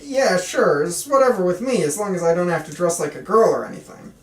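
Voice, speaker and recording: Lively-pitched man reading dialogue, echoey room. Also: a little fast. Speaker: table read participant playing a young film student. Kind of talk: amateur table read, casual dialogue. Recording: echoey room, distant mic.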